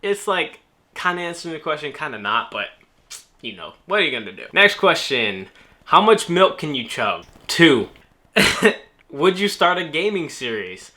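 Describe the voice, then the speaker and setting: A man's voice: on the high side, sing-song, unhurried, sharp tone. A young man from New Orleans answering viewer questions in a laid-back, joking vlog style. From New Orleans, United States. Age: young adult. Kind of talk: casual Q&A vlog.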